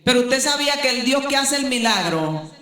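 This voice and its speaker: A woman's voice: lively intonation, brisk. Older woman preaching, echoey room. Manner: emphatic preaching, rising to shouts then dropping low. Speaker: pastor. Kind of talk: sermon.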